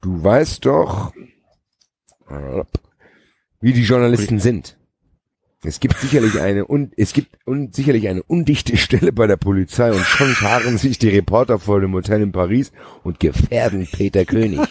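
A man's voice: fairly low pitch, moderate pace, husky, no echo. A man reading a crime novel aloud on a podcast, stumbling over words and laughing at the text. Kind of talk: casual reading with jokey asides.

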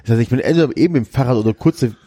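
A man's voice: medium pitch, racing, a little hiss or hum. A man in his thirties chatting on a podcast, telling about his commute and teasing a friend with laughter. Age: 30s. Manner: animated, laughing while teasing. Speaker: podcast co-host. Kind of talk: casual chat.

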